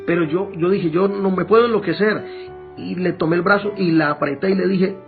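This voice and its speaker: A pastor giving an emotional sermon testimony to his congregation, halting and repeating words as he speaks. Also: sits high, creaky. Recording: tinny lo-fi phone-like recording with faint music.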